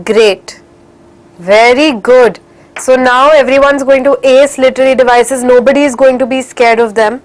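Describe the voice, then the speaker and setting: A woman's voice: sits high, steady tone, normal speed. A young woman teaching an online English class for children in Indian English, encouraging and slipping in Hindi phrases, a little stuffy from a cold.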